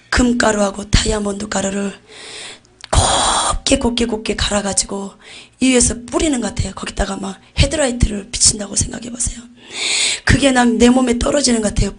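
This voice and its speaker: A woman pastor with a Jeolla Korean accent delivers an emotional testimony to her congregation. Her voice sits on the higher side. She swings between hushed, whispered passages and fervent, shouted exclamations.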